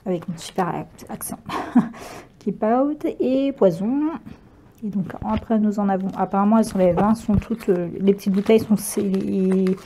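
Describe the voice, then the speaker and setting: A woman talks through her craft purchases in a loose, chatty way, pausing on fillers and correcting herself as she goes. Her voice is mellow and warm rather than bright, and her pitch sits in a middle range. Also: fairly even intonation, slight background noise. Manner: chatty, hesitant, many fillers and self-corrections, laughs easily. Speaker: craft vlogger. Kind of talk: casual unboxing chat.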